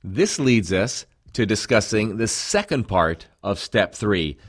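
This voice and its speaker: A man's voice: on the low side, sing-song, slow pace. A man from Jamaica, speaking without an accent, earnestly talking listeners through a recorded self-help program as a coach. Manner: earnest, conversational, addresses listeners as friends.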